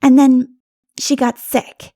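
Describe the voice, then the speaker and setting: Woman voicing a high, chatty country girl. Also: slow, exaggerated voice. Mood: storytelling. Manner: animated, gossipy. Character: lively, chatty country girl telling local tales.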